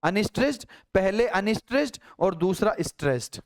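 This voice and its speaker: A man from Rajasthan, India, teaches English poetry for an exam in a classroom lecture, using Hindi-accented English. He explains step by step and often checks that students follow, his voice high and animated at a normal speed.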